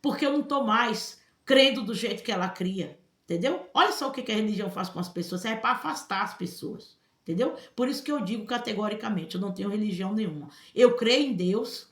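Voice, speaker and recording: A woman's voice: medium pitch, lively intonation, a little fast, reverberant. A Brazilian woman giving emphatic personal commentary, often turning to her listeners with "gente" and "entendeu?". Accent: Brazilian Portuguese. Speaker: vlogger.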